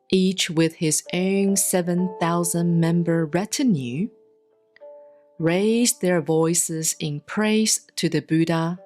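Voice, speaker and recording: A woman recites a Buddhist sutra in a solemn, scripted manner, enunciating with measured deliberation and leaving long pauses. Her voice sits on the low side with a darkish tone, and instrumental music plays behind her.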